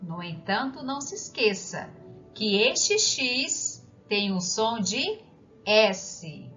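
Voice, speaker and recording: Slow, lively woman teaching. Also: medium pitch. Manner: slow, clear, didactic, asks the listener questions. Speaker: primary school teacher. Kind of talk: recorded classroom lesson. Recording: dull lo-fi sound with faint background music.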